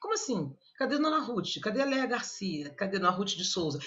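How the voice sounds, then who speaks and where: Her pitch swings very widely as this woman talks at a fairly quick pace. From Brazil, Rio de Janeiro. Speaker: actress and teacher. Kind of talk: webinar talk. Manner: fast.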